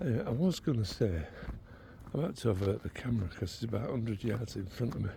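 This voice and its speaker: At a very fast pace, a man speaks at a medium pitch in a somewhat breathy voice with a dark, mellow tone and lively intonation. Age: 60s. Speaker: walking vlogger. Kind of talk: vlog narration while walking. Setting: outdoors in a forest. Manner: hesitant, many fillers.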